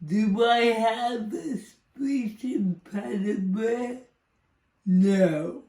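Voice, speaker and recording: A woman in her forties with cerebral palsy, speaking slowly and deliberately as she gives a personal testimony. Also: fairly high pitch, warm tone, reverberant, distant mic. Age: 40s. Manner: slow, deliberate speech with a cerebral palsy speech difference. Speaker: psychology professor and advocate.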